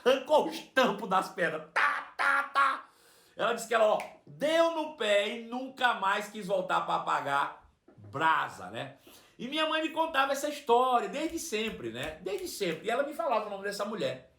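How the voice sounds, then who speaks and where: A man with a Brazilian accent preaching a sermon, telling a personal story in an animated way and repeating phrases for emphasis. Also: high-pitched, normal speed, echoey room. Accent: Brazilian Portuguese.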